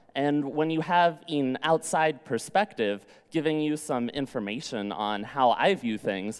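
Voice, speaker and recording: This man has an unremarkable speaking voice, fairly high in pitch, with lively intonation. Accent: American. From US, Baltimore, Maryland. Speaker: PhD student. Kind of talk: conference talk. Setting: stage with audience. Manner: casual, many fillers.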